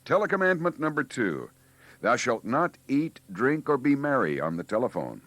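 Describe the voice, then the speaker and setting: A man's voice: medium pitch, big pitch swings, moderate pace, a bit bright, no room sound. A man reading scripted narration for a 1980s training filmstrip, with a preachy, wry delivery.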